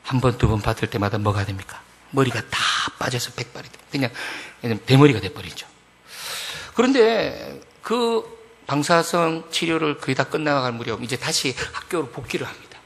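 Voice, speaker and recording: A middle-aged male pastor delivering a sermon in an animated, storytelling way, speaking directly to his congregation. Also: medium pitch, normal speed, creaky, slight background noise. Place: church sanctuary. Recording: echoey church hall.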